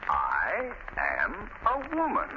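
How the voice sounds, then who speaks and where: A man playing a suave young gentleman sleuth in a 1930s radio drama, urbane, theatrical and earnest. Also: high voice, wildly swooping pitch, slow pace, exaggerated voice. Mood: musing, declaiming. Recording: very noisy, muffled 1930s radio recording.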